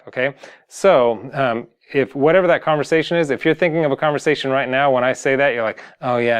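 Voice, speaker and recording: A man's voice: mid-range voice, clean tone. A man giving a singing lesson in an earnest, repetitive way, often restarting his sentences. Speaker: singing coach. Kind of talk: lesson to camera.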